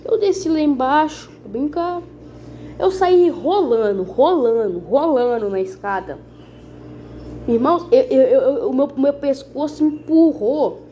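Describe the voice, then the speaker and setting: A woman's voice: high voice, animated, a little slow, mellow, dull audio, a little hiss or hum. A woman with a Brazilian accent gives her conversion testimony to a congregation in an earnest, repetitive, dramatic way. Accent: Brazilian Portuguese. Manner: earnest, repetitive, dramatic storytelling that addresses listeners as brothers. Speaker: church member giving testimony.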